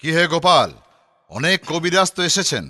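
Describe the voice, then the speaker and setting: A man playing a concerned king in a children's cartoon, putting brisk, commanding questions. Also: on the high side, big pitch swings, bright, forceful tone, a little hiss or hum.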